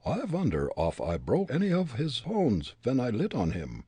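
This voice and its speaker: Man doing a husky mock-Dutch young detective. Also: medium pitch, huge pitch swings, moderate pace, dark tone, dry recording, voice pushed up, heavily acted. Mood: comic grumbling. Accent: mock German-Dutch dialect. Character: bumbling young Dutch-accented male detective.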